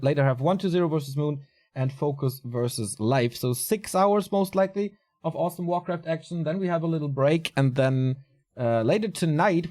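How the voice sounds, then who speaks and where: Solo esports caster, male, tired with a light rasp, relaxed and chatty, voice sits a bit high. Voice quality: casual, chatty delivery with fillers. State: raspy voice, tired. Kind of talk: solo game commentary.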